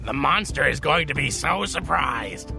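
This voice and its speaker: A woman voicing a sheepish, bumbling male pig in a storybook reading, speaking slowly and whiningly. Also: animated, sharp tone, soft background music, full character voice. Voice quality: creaky, lower voice.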